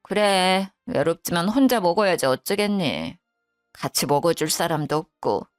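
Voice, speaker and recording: A woman voicing a sulky, sharp-tongued widowed older mother-in-law who grumbles bluntly and pities herself. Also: fairly high pitch, very animated, normal speed, faint music behind. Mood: grumbling. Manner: blunt, grumbling, self-pitying.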